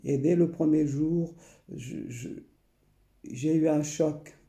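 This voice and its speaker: A man, recalling his past slowly and hesitantly, often pausing and repeating himself. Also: fairly high pitch, fairly even intonation, dark tone, reverberant. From Portugal. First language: Portuguese. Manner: hesitant, many pauses and repeated phrases. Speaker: memoir narrator. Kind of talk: slow personal recollection.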